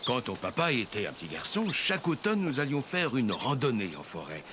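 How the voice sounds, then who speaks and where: A man's voice: mid-range voice, big pitch swings, fairly quick, noisy background, close to an everyday voice. An actor playing a kind, patient elderly grandfather in a cartoon. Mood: explaining. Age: older.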